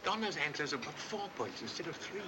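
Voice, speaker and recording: An actor playing a gentle, polite old Santa Claus in a 1940s film. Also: male voice, a little high, big pitch swings, quick pace, background noise. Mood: kindly.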